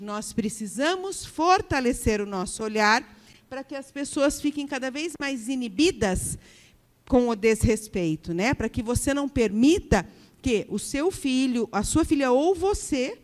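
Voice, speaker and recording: A Brazilian woman with a bright, high voice leads a training session on workplace harassment. She talks straight to her audience, checking in often and acting out the remarks she warns against. Her voice rings with a long reverb from a large lecture hall. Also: animated, a little slow. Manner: keeps checking in with the audience, acts out example remarks.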